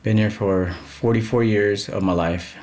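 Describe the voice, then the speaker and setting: A man's voice: lowish voice, fairly even intonation, moderate pace, a little mellow. A man in his forties raised in California, talking casually to a reporter in a plain, laid-back way. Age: 40s. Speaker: interviewee. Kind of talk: casual interview talk.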